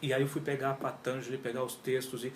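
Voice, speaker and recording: A man's voice: mid-range voice, fast talker, a little hiss or hum. A man, telling his story as an interview guest, acting out past conversations and using lots of slang. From Brazil. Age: 40s. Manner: animated storytelling, acts out his own past dialogue, heavy slang. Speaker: yoga teacher, interview guest. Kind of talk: casual interview chat. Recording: echoey room with faint ambience.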